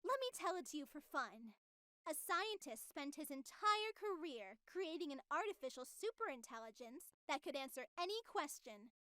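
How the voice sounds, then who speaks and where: A woman's voice: high-pitched, very animated, moderate pace, bright, forceful tone, no echo, clean studio sound, heavily acted. A woman playing a sinister, coolly menacing female artificial superintelligence in a visual novel, with a grandiose, theatrical, politely threatening manner. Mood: sly storytelling. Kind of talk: scripted visual novel voice acting.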